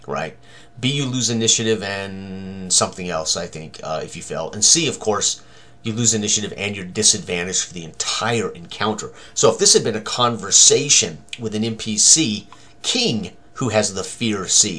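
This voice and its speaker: A man's voice: fairly low pitch, a bit bright. A man in his sixties giving an informal tutorial, explaining step by step and often checking with a tagged-on "right?". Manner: checks understanding with frequent "right?". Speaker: game designer presenting a tutorial. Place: indoor room at a desk.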